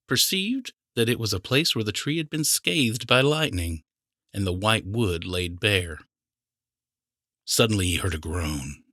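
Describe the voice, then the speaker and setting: A man's voice: fairly low pitch, bright, forceful tone, no room sound, clean studio sound. A man reading fiction aloud as a scripted audiobook narrator.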